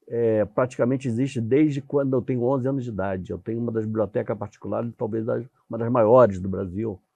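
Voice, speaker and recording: This man talks at a very fast pace, his medium-pitched voice carrying a dark, mellow tone. His intonation stays fairly even, and the background is quiet. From Rio de Janeiro, Brazil. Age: 70s. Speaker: physician and former teacher. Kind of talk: interview conversation.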